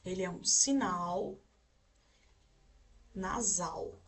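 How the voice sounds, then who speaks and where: A woman's voice: on the low side, very slow, fairly bright tone, distant mic. Brazilian woman, young adult, patient grammar teacher; checks in often; sits back from the mic. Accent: Brazilian Portuguese. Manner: explains step by step, checks in with "certo?" and "tá?". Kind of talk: recorded online grammar lesson.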